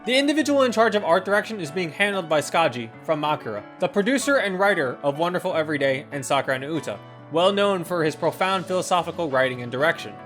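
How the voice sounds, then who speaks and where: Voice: mid-range voice, expressive, fast, few pauses, fairly bright tone. A video reviewer reading a scripted first-impressions narration in an enthusiastic, opinionated manner. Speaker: video game reviewer and host. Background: guitar and instrumental music.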